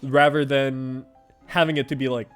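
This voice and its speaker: A man's voice: mid-range voice, moderate pace, clear, resonant tone, faint music behind. A young man chatting casually with viewers on a game livestream, laughing often and filling his talk with "like". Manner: animated, laughs often, heavy use of "like". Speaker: game streamer.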